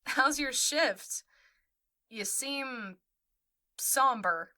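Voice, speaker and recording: An unhurried, bright-voiced courier. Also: female voice, sits high, full character voice. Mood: playful. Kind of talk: audio drama acting.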